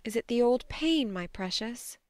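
A woman reading a storybook, voicing a blunt, spirited young woman who talks briskly. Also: on the high side, lively intonation, darkish tone, no room sound, studio quality, pitched above the performer's own voice. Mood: tender. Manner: brisk, scolding, then tender.

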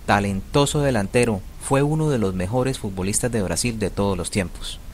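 A man reading a scripted countdown narration, calling out each ranking number louder and slower than the rest. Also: lowish voice, a little hiss or hum.

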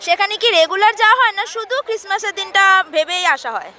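Bright, high-voiced Bengali woman reporter. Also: fast talker. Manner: lively, chatty presenter. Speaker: street reporter and host. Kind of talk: vox pop street interview. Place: crowded churchyard lawn outdoors. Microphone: handheld mic. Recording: outdoor crowd in the background.

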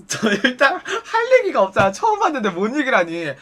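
A woman's voice: high-pitched, wildly swooping pitch, brisk, a bit bright. A woman telling a crude, gossipy comic anecdote in casual chat, swearing freely. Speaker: comic storyteller.

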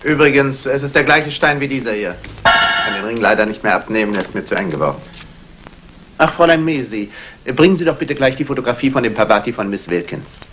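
An actor playing a courteous, self-assured London jeweller in a 1960s German radio crime play, formal in manner. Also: male voice, mid-range voice, expressive, a little fast, lightly acted. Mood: smooth, courteous. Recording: noisy old radio play recording.

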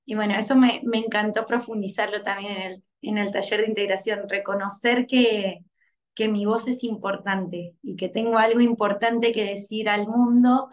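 A woman, a mother speaking from her living room on a video call, reflective and soft, with many fillers and restarts. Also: mid-range voice. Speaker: workshop participant, mother. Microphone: video call, laptop mic.

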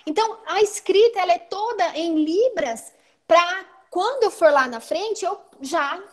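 Over a video call, a Brazilian woman teacher delivers an online training talk in a very high-pitched voice at a measured pace. She explains things in a lively way and often tags her sentences with "né" to make sure listeners are following.

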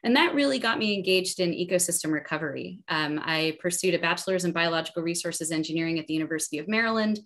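A woman's voice: on the low side, quick pace, few pauses, a bit bright. A woman in her forties from New Jersey with an American accent, giving an explanatory panel answer on a video call. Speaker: panelist, environmental scientist. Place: bedroom at home, indoors. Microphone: laptop video call.

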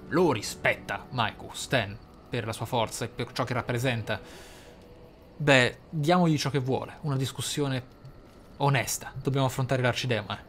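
A man hosting a role-playing let's play, musing aloud with theatrical interjections. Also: medium pitch. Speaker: gamer, let's play host. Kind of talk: role-playing game commentary. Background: game music.

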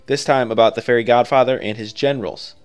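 Male guide narrator, clean smooth voice, casual step-by-step delivery, music underneath. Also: medium pitch, steady tone, quick pace. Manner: informal, offhand, conversational. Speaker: video game guide creator.

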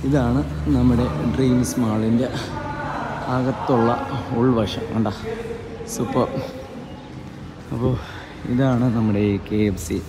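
Filming on a handheld phone as he walks through an empty building, a vlogger gives a tour with eager enthusiasm, repeating the same stock words of praise. His medium-pitched voice is level and slow with frequent pauses, and the poor recording picks up a loud crowd and clear street noise.

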